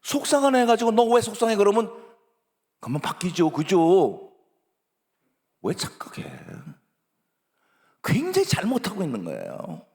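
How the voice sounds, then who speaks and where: A middle-aged male pastor preaching a sermon, dropping to hushed whispers and rising to loud, pleading emphasis. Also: high voice, huge pitch swings, measured pace, long pauses. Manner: acts out parents scolding children. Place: church sanctuary. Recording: long church hall reverb.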